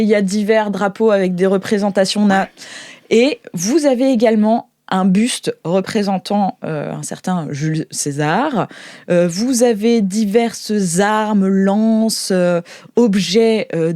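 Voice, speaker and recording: A woman with a mid-range voice runs an improvised tabletop game as its host. She talks in a halting, amused way, and the sound is very dry. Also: mid-range voice, dark tone, no room sound.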